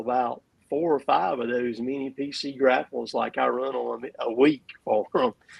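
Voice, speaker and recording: A man with an American accent, fairly high pitch and fairly slow pace, in a dry, close sound with no echo. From US South. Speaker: YouTuber and equipment salesman. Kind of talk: casual chat. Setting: live stream call.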